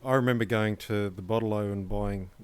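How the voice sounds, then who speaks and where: Laid-back Australian man, lowish voice. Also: fairly even intonation, moderate pace, slight background noise. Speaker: podcast co-host. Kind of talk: casual chat.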